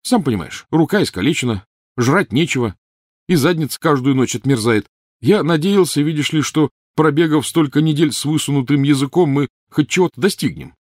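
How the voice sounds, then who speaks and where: A man reading an audiobook voices a bitter, shouting teenage boy wizard. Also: fairly high pitch, big pitch swings, moderate pace, no room sound, clean studio sound, pitched above the performer's own voice. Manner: shouting, resentful, sarcastic.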